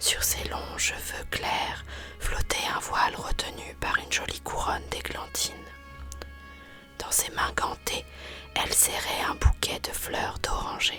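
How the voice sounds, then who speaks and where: A woman's whispering, very slow and gentle in tone, with long, frequent pauses and music in the background. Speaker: ASMR storyteller. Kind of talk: whispered ASMR story reading, bedtime relaxation. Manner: soft, gentle, calming; whispered.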